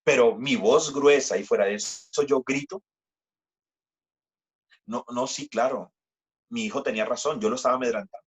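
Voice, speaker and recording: A man, preaching a sermon as pastor and reading scripture slowly with emphatic repetition. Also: husky, dull audio. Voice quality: deep voice. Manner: slow, emphatic scripture reading with repeated phrases.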